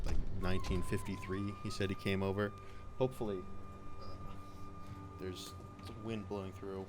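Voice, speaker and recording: A man's voice: low voice, noisy background. A young man telling a rambling personal anecdote in a casual, conversational way as a let's play host, often quoting other people.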